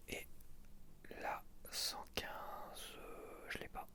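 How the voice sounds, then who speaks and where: Slow, whispering ASMR man. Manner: whispering, murmured, unhurried. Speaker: ASMR video creator.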